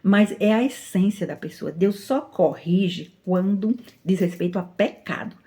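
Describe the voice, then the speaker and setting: Gravelly-voiced Brazilian woman, gentle devotional talk. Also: mid-range voice, a little slow. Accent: Brazilian Portuguese. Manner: gentle, chatty, tends to laugh while speaking. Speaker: Christian teacher.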